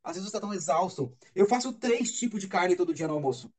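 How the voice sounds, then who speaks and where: A man from Brazil speaks to an online audience in a high-pitched voice. His delivery is earnest and emphatic, and he circles back to repeat key words. It sounds like a live stream picked up on a webcam or phone mic. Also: expressive, quick pace, darkish tone. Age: adult father. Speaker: speaker on autism parenting.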